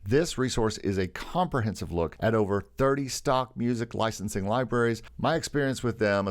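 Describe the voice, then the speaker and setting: A middle-aged man with a slightly low voice talks through a music licensing tutorial. His delivery is enthusiastic and salesy, like a friendly carnival barker. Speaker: YouTube host teaching music licensing. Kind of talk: upbeat promotional tutorial.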